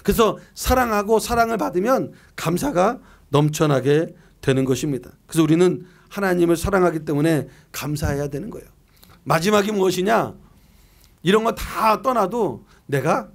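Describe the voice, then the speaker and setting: Preaching his year-end sermon, this middle-aged pastor has a high, gravelly voice. He reads passages of scripture and keeps a conversational flow by asking himself questions and supplying the answers.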